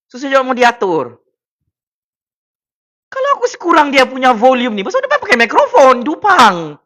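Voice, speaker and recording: A man with a Sabah Malay accent, ranting and taunting as a livestream political commentator on his own mic, with loud exclamatory bursts. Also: extremely high pitch, huge pitch swings, normal speed. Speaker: political commentator streaming to viewers. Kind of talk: mocking livestream rant. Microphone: personal microphone at a desk.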